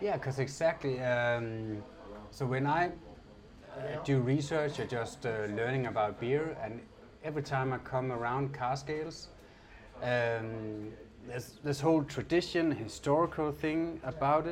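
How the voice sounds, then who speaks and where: A man with a Danish accent speaks fairly slowly, leaving long, frequent pauses, with ordinary pitch variation. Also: medium pitch for a man. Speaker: podcast host, beer blogger. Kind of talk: interview. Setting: in a bar.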